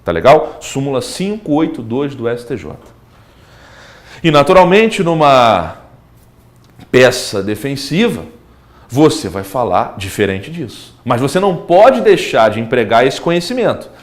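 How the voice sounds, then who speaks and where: Lively Brazilian man teaching law. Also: medium pitch, unhurried. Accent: Brazilian Portuguese. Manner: animated, talks straight to the student, acts out examples. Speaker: law exam prep teacher. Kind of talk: recorded video lecture.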